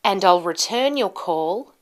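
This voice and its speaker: Female language teacher, 30s, mid pitch, unhurried, deliberate delivery with precise stress for instructional video. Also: lively intonation. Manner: deliberate, carefully enunciated with marked stress. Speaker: pronunciation teacher. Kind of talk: instructional lesson to camera, scripted. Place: small indoor studio with plain backdrop.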